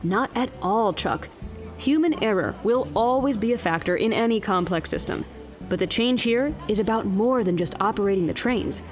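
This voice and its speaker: A woman playing a wry, exasperated field news reporter in an audio drama, speaking in a crisp, pointed broadcast style. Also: medium pitch, animated, normal speed, soft background music, lightly acted. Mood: patient, informative.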